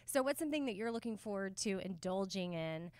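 A woman's voice: mid-range voice, expressive, fairly quick, a little mellow, clear, resonant tone, dry recording, studio quality. A woman interviewing casually on a live red carpet entertainment show.

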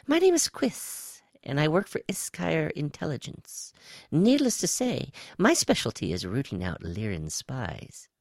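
A man's voice: a little high, wildly swooping pitch, a little slow, creaky, no echo, clean studio sound, voice pushed up, heavily acted. A man voicing a reptilian alien spy in an audiobook story, with a lilting, nonchalant manner. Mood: lilting, businesslike. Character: high-pitched reptilian alien spy, casual, sly intelligence officer.

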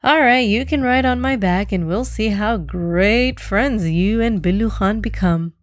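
A woman's voice: mid-range voice, measured pace, dry recording, natural voice. Woman as a big male elephant, bossy, boastful, sarcastic, children's storybook, dry recording. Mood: mocking. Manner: pompous, sarcastic, commanding.

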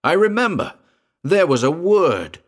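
A man's voice: fairly high pitch, big pitch swings, a little slow, pitched above the performer's own voice. A man voicing a shaken man who drifts into dreamy, guttural trance memories, muttering his words. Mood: urgent. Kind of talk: audiobook dialogue reading.

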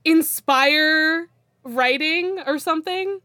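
A woman with a high voice chatting casually on a podcast, swearing and laughing easily. The sound is dry and close, with no room around it. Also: slow, pushed and bright, dry recording. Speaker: podcast co-host. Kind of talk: casual chat.

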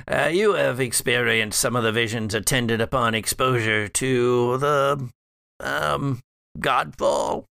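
A man acts out a sardonic undead patriarch for a gothic tabletop horror game. He drawls theatrically in a gravelly, forceful voice, taking his time and chuckling between phrases as he savors family secrets. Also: mid-range voice, no room sound, studio quality, heavily acted.

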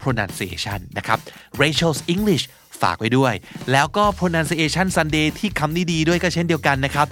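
A man's voice: on the high side, expressive, measured pace, few pauses, fairly bright tone, faint music behind. A man with a Thai accent, hosting a pronunciation lesson and spelling English words out letter by letter.

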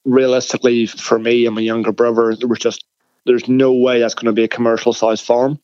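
A man in his thirties with a Northern Irish accent softened by time in New Zealand, chatting loosely as an interview guest about farm machinery. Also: mid-range voice, little pitch movement, fairly quick, dry recording, lo-fi sound. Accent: Northern Irish, softened by years in New Zealand. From Northern Ireland. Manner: chatty, loose, many fillers like "like" and "sort of". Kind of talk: casual interview chat.

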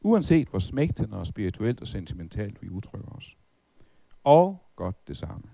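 A man's voice: on the low side, very animated, creaky, dark tone, no room sound. A middle-aged man preaching a Bible teaching talk, asking rhetorical questions and reciting hymn verses.

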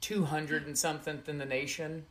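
A man's voice: on the high side, level tone, normal speed, a bit bright, slight background noise. A man in his forties co-hosting a podcast in casual chat, teasing and cracking dry jokes. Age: 40s. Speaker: podcast co-host.

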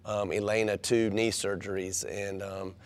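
Deep-voiced basketball coach. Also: male voice, little pitch movement. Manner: halting, repeats words, warms up when telling stories. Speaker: women's basketball head coach. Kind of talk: casual radio interview.

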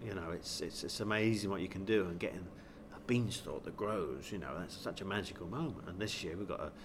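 A comedian and pantomime actor, speaking as an interview guest, chats in a low, fairly quick voice, playful and enthusiastic, trading comic wordplay in animated conversation. There's background noise behind him.

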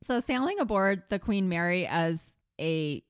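A young woman with a low, dry-sounding voice tells ship history on a casual podcast, slipping in jokes between the facts. She is from Colorado and co-hosts the show. Her voice is recorded close and dry. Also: lively intonation, unhurried, clear, resonant tone, dry recording. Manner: reads history facts with joking asides. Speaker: podcast co-host.

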